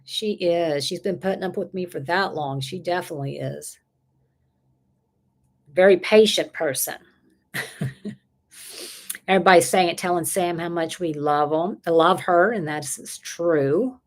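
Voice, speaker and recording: A woman's voice: lowish voice, measured pace, pauses often. A woman, chatting casually on a livestream and reading viewer comments aloud, rambling and laughing often. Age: 60s. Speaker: livestream host.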